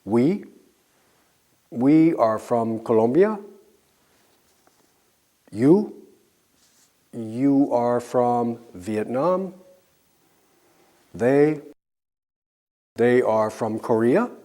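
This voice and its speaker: Guy teaching english real slow, mellow voice, pitch goes up and down a lot, pauses for you to answer. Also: animated. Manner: slow, clear drilling with pauses for learners. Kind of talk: slow scripted language lesson.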